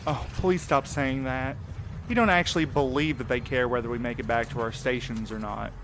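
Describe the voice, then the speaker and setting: A man's voice: medium pitch, steady tone, moderate pace, background noise, lightly acted. A man acting in an audio drama as a jaded, laid-back night courier with a casual, sarcastic way of talking. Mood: sarcastic, bitter. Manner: casual, wry. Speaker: voice actor in a fiction podcast.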